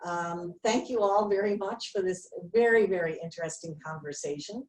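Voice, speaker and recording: A woman's voice: on the low side, moderate pace, a little mellow. A woman in her sixties from Canada, telling a friendly story during a video-call town hall. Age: 60s. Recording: roomy, distant from the mic.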